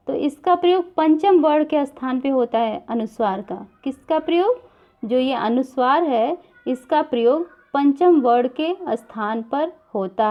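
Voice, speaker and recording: Lady teacher going over hindi grammar, high voice, kinda dull lo-fi sound, keeps repeating stuff and asking the class questions. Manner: repeats points and asks the class rhetorical questions; uses English words within Hindi. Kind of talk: explaining a lesson to viewers.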